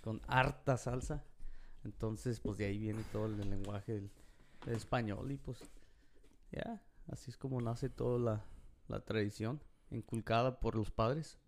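A man's voice: lowish voice, steady tone, a little slow. A man from Los Angeles with a Mexican-American accent in Spanish, bantering casually in slang and often repeating his phrases. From Los Angeles, United States. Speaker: podcast co-host.

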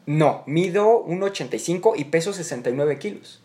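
A man's voice: a little high, lively intonation, fairly quick, a little mellow. A man with a Mexico City accent hosting a podcast, rambling and joking, often losing his train of thought. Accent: Mexico City Spanish. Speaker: podcast host. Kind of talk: casual chat.

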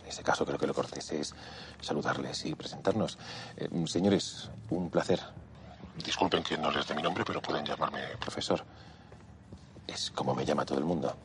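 An actor playing a calm, courteous heist mastermind whose voice comes through a voice modifier as a deep, metallic sound. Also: male voice, noisy background. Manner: polite, measured, formally courteous. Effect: voice modifier, deep metallic distortion. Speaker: robber leader negotiating by phone.

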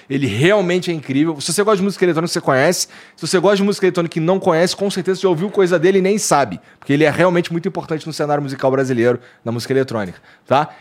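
Chatty Brazilian man reading ads. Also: a little high. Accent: Brazilian Portuguese. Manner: chatty, upbeat, filler-heavy. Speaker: podcast host. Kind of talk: casual sponsor read.

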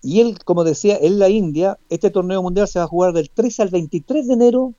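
A man's voice: high voice, a little fast, mellow, dry recording, lo-fi sound. A man with a Chilean accent hosting a casual sports radio show, often tagging his remarks with little checking questions. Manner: frequent checking tag questions.

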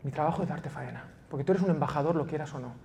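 High-voiced Spanish pastor preaching with passion. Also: male voice, racing, vocal fry. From Spain. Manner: passionate, swings from loud emphatic to quiet intimate. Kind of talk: sermon. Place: church in Valencia.

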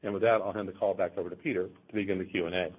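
A man reading a scripted earnings call presentation as a company executive, in a formal, measured manner. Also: low-pitched, steady tone, breathy edge. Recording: dull, band-limited conference call audio.

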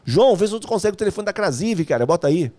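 Lively man hosting a live stream. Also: high voice, fast. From Rio de Janeiro, Brazil. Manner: energetic, slangy, joking, calls viewers "meu brother". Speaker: host of a live music course stream. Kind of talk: casual live-stream chat reading viewer comments.

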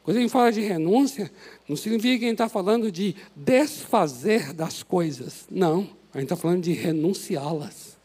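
A male pastor with a Brazilian Portuguese accent, preaching an impassioned sermon that swings from loud exhortation to soft, prayerful pleading in a church. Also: high voice, expressive, normal speed, slightly rough. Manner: impassioned, rises to shouts then drops to soft prayer. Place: church sanctuary.

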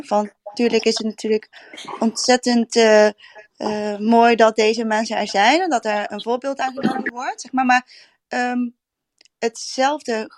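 A woman's voice: a little high, no room sound. Hesitant woman with a dry, close sound. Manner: hesitant, many fillers. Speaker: participant. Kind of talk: casual talk.

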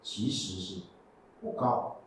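Buddhist monk teaching in an echoey hall. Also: male voice, fairly low pitch, very animated, takes it slowly. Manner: patient, explaining with rhetorical questions. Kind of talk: Buddhist dharma talk. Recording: echoey hall, mic from a distance, faint ambience.

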